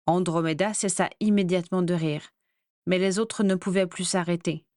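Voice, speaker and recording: A woman reading a fantasy story aloud as narrator, measured and clear. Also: on the low side, steady tone, a little mellow, dry recording, studio quality. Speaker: audiobook narrator. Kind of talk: scripted narration.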